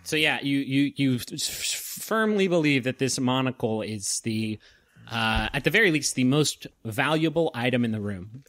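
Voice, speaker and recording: A man's voice: mid-range voice, animated, a bit bright, no echo. Male game master, dry close sound, stop-start narration, swears for laughs. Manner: halting narration full of uh and restarts, joking with swearing.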